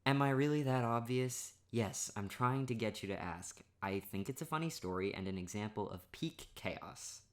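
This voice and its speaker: Playful young man, soft boyfriend ASMR. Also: mid-range voice, moderate pace, hardly any pauses. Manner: playful, self-mocking, laughing often. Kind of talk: ASMR roleplay monologue.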